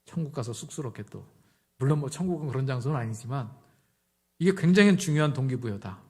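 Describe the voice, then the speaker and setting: A man's voice: mid-range voice, lively intonation, fast talker, a little mellow, husky. A middle-aged male pastor giving a conversational sermon, telling stories and acting out both sides of the dialogue. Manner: conversational storytelling, acts out dialogue.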